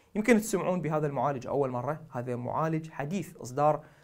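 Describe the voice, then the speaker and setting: At a moderate pace, a man talks with a fairly high pitch. His intonation is lively. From Iraq. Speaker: tech reviewer. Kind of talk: product review. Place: studio. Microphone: lapel.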